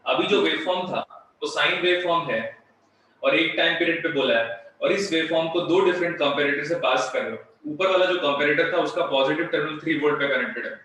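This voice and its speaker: A man's voice: on the high side, a little fast. A man teaching a live online electronics class from a studio, his voice bathed in heavy echo and sounding far from the mic. He talks in a firm, blunt way. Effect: heavy echo, as if shouting in a canyon. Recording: echoey, distant studio mic with faint noise.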